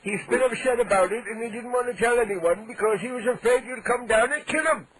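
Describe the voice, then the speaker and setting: A prank caller puts on the persona of an irate 87-year-old neighbor, making blustery threats wrapped in mock-polite outrage. He speaks briskly in a very high, somewhat bright voice. The recording is rough.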